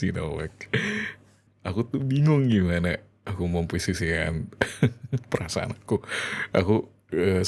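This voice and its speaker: Slow, creaky-voiced tender Indonesian husband played by a man. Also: sits low, exaggerated voice. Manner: tender, halting, soft chuckles and whispers. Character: loving young husband, overjoyed about becoming a father. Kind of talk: intimate ASMR roleplay.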